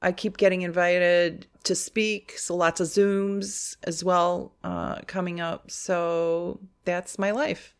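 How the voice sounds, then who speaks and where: A woman's voice: on the low side, little pitch movement, takes it slowly, few pauses, clear, resonant tone. Earnest woman author. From Chicago, USA. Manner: earnest, heartfelt. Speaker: author and teacher. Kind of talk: interview answers.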